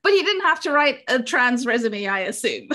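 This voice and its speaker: A woman's voice: a little high, big pitch swings, normal speed, sharp tone. A woman, chatting casually as a podcast guest and laughing often. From Austria. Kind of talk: casual chat.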